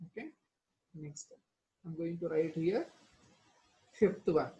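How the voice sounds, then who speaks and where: A woman's voice: deep voice, takes it slowly, mellow, muffled recording. A woman with a South Asian accent teaching a lesson, going through formulas step by step and prompting students with questions. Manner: addresses students with prompting questions and tag words. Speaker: chemistry teacher.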